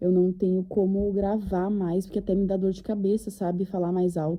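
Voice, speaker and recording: Monotone, flat intonation marks a woman's medium-pitched voice. Her tone is dark and mellow, and her pace is moderate. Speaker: tarot reader. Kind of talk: tarot reading forecast. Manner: speaking louder than usual. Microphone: no microphone.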